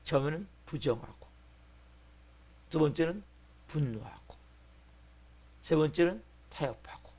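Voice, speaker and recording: Man, pastor, gravelly voice, fairly high pitch, animated sermon. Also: measured pace, long pauses. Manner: animated preaching, acting out patients' voices.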